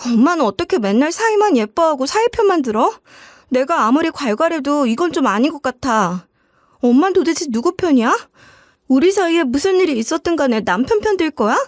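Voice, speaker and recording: A woman's voice: high-pitched, animated, fairly quick, no room sound, clean studio sound, pitched above the performer's own voice. A woman narrator voicing a blunt, aggrieved grown daughter complaining emotionally in a told story. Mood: angry, hurt.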